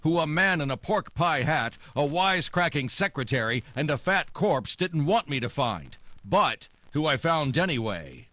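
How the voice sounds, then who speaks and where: An actor playing a hard-boiled private detective in a 1940s-style radio drama, terse, wry and world-weary. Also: male voice, a little high, big pitch swings, normal speed, hardly any pauses, sharp tone, no echo. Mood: grim, cynical. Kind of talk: 1940s noir radio drama narration and dialogue.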